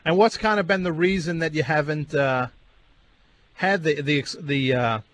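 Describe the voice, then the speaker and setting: A man's voice: a little high, normal speed, a bit bright. Dry, needling male radio host. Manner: dry, needling, patiently correcting. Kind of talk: deadpan on-air interview.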